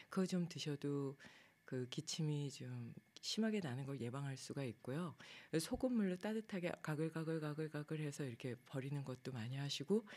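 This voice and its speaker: Woman, low voice, soft trailing phrase endings, yoga teacher, casual talk. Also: husky. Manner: acts out her own past complaints in a higher, livelier voice. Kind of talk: casual spoken talk on a daily theme.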